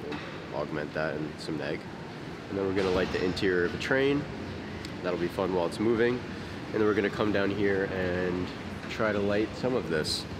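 Amid loud background noise, a man speaks at a moderate pace with ordinary pitch variation and long, frequent pauses. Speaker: cinematographer vlogger. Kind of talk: casual vlog chat. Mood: upbeat, relaxed. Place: station.

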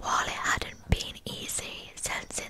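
The speaker is soft-spoken. Loud background noise fills the recording. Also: woman. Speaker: true crime narrator. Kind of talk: storytelling narration with asides. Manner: soft close-mic ASMR voice. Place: home room. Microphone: studio mic.

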